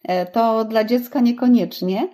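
A woman who runs social skills classes for children, speaking in a thoughtful, halting way in a casual discussion. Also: fairly high pitch, dark tone.

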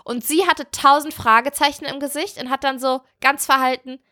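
A woman co-hosting a podcast in casual chat, telling stories in an animated way and laughing often. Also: high-pitched, normal speed. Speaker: podcast co-host.

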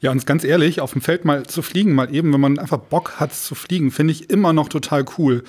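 A man's voice: fairly high pitch, a little fast, darkish tone, husky. Casual man hosting a podcast. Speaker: podcast co-host.

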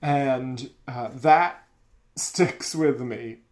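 A man's voice: mid-range voice, very slow. A man who teaches music, talking in an earnest, reflective way in a casual podcast chat.

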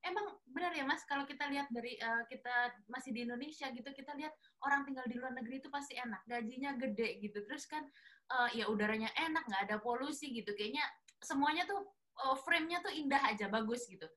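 A woman's voice: high-pitched, fast, fairly bright tone. A woman hosting a casual interview, chatty and friendly, asking questions and wrapping up politely.

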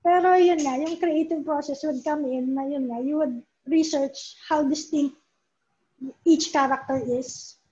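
In a dull, lo-fi recording, a woman from the Philippines who writes comics chats casually as an interview guest. Her voice is high, steady, a little slow and dark in tone, and she blends English into Tagalog while repeatedly asking "di ba?".

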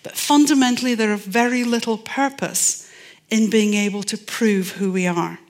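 A woman's voice: mid-range voice, fairly even intonation, normal speed. A middle-aged Scottish woman, a forensic anthropologist, giving a public talk and telling stories with dry humor and emphasis. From Scotland.

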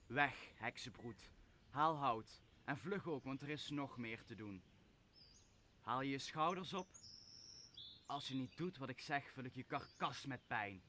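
A man's voice: mid-range voice, expressive, a little slow, pushed and bright, slight background noise. A man playing a cruel, commanding master who barks orders at his slave in an audio drama. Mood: angry, threatening. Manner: barking, imperious. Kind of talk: Dutch audio drama acting of Shakespeare.

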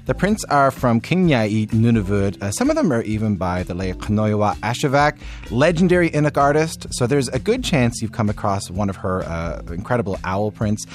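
Guy hosting a radio show, really animated pitch, faint music under him. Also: moderate pace. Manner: chatty, jokey. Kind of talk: radio interview and show links.

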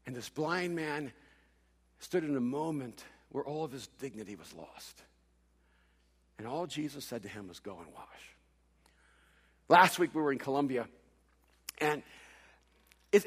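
A middle-aged pastor from El Salvador, Spanish his first language, preaching a sermon that swings from loud declaring to hushed quiet on a stage microphone. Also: on the high side, husky. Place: large church hall.

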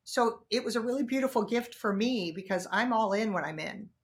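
A woman's voice: a little high, fairly quick. A woman co-hosting a podcast, speaking earnestly and with emphasis in casual chat. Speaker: podcast co-host.

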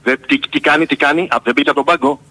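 Male caller, bright edgy voice, pushy, argumentative, keeps interrupting. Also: fairly high pitch, fairly even intonation, low-quality recording. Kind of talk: heated phone-in argument.

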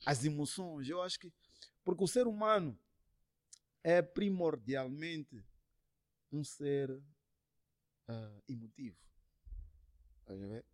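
Male musician guest, casual interview chat. Halting, repetitive phrasing with English slang, very dry sound. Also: fairly high pitch, dry recording.

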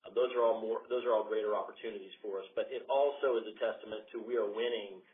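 A male company executive answering analyst questions on an earnings call, haltingly repeating words as he goes. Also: on the low side, fairly even intonation, a little hiss or hum. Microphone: conference call line. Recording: muffled phone-band conference call.

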